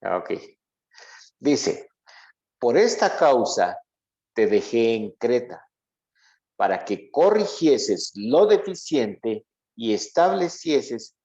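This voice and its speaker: A man's voice: medium pitch, darkish tone. Man teaching the Bible, muffled audio. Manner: didactic, often checks understanding with short questions. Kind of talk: interactive Bible lesson to a congregation.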